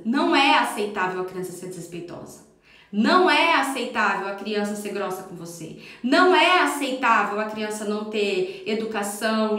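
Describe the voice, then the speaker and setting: A woman's voice: mid-range voice, fairly bright tone. A Brazilian woman, a parenting educator, giving an earnest, emphatic live talk straight to her listeners on a phone mic. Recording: echoey room.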